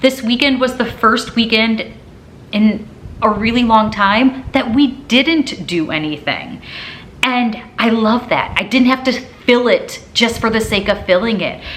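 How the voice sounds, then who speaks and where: With noticeable background noise, a woman in an American accent speaks at a fairly slow pace and fairly high pitch, her tone animated and her pitch variation ordinary. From Wisconsin. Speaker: lifestyle vlogger. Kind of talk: casual vlog talk to camera. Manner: chatty, animated.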